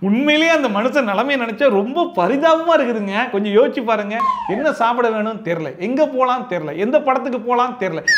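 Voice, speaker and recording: A man's voice: extremely high pitch, background noise. A man hosting a troll video, giving sarcastic, exasperated commentary over clips.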